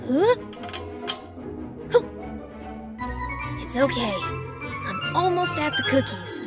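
Woman as a high, plucky little raccoon boy. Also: sing-song, takes it slowly, over loud music, heavily acted. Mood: focused. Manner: easygoing, self-assured. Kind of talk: fan-dub comic acting.

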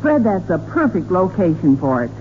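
A woman's voice: on the low side, sing-song, moderate pace, a little hiss or hum. An actress playing a fussy, fluttery middle-aged wife and mother in 1940s radio sitcom style. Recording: tinny 1940s radio recording.

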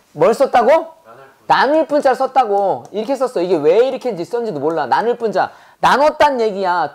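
A woman teaching an English grammar class with a Korean accent, quizzing students with constant questions and saying English phrases slowly for them to repeat. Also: fairly high pitch, a little mellow.

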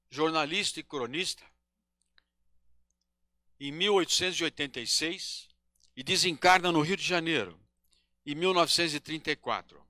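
A man in his sixties from Brazil gives a devotional lecture at a podium in a small hall, talking slowly and haltingly with pauses and self-corrections into a handheld microphone. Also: on the high side, sharp tone, clean studio sound. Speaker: spiritist lecturer.

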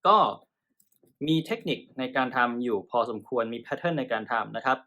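A young man teaching TOEIC grammar in Thai, explaining patiently and often checking in with his listeners, slowing down to spell and pronounce English terms. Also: medium pitch, creaky, sharp tone. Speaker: TOEIC tutor. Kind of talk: exam-prep lesson.

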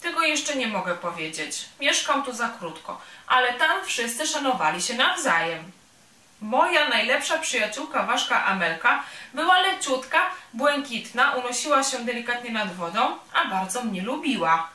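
A woman voicing a small, gentle and lonely young male bear cub who speaks softly and earnestly in a storybook reading. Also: fairly high pitch, big pitch swings, moderate pace, voice pushed up. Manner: soft, earnest, polite. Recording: roomy sound from a distant mic.

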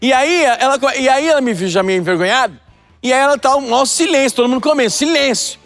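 A male comedian on a comedy stage who tells an embarrassing family story. His voice sits very high, and he tells it in a flustered, animated way. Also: quick pace, faint music behind. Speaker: stand-up comedian. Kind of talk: stand-up storytelling.

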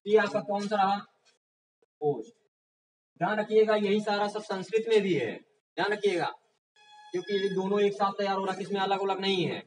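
A man with a high voice lectures a class and keeps quizzing his students, then answers his own questions and checks that they are following. He was recorded from across the room, so he sounds distant. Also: normal speed, long pauses. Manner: asks the class questions and answers them himself, often repeating "confirmed?". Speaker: teacher. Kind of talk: classroom lecture for exam prep.

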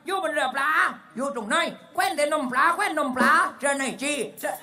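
A man voicing a rowdy, crude male village clown in a live shadow-puppet comedy, speaking with a Southern Thai accent, shouting and laughing through rapid-fire guesses. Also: very high voice, background noise. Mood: boisterous. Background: live folk music band.

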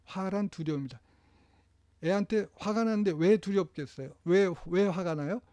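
Middle-aged guy lecturing, fairly high voice, dry close sound, acts out parent lines. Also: normal speed, warm tone, no echo. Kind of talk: training lecture.

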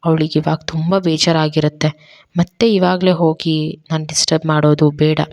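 A woman's voice: low voice, flat delivery, normal speed, a little mellow, dry recording. A woman voicing a jealous, scheming young woman who puts on a pouty, falsely sweet manner.

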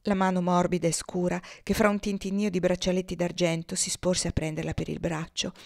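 A woman narrating a literary novel with measured, expressive delivery. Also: on the low side, creaky, no echo, clean studio sound. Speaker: audiobook narrator.

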